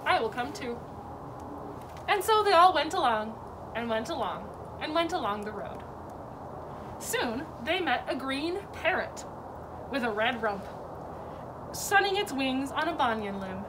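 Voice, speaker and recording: A woman's voice: high voice, sing-song, unhurried, long pauses. A woman reading a children's storybook aloud as an educator at story time. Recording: distant mic with clear background noise.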